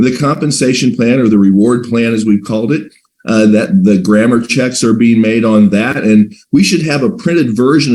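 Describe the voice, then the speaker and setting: A man's medium-pitched voice, dark and mellow in tone, with ordinary pitch variation. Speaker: attorney and business leader. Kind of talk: business presentation. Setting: video call. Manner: fast.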